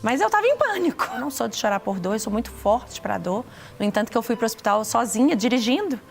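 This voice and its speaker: Brazilian woman telling her testimony, kinda high and gravelly, stops and restarts a lot, faint music under it. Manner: earnest, halting, with many restarts. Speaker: guest giving a testimony. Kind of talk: emotional personal testimony.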